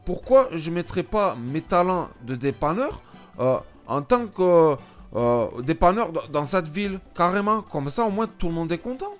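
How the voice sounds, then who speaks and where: A man streaming a roleplay game, playing a rough-talking gypsy job seeker who swears and mutters to himself. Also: high-pitched, moderate pace, faint music behind. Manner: excitable, swearing, mumbling asides to himself. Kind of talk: GTA roleplay commentary in character.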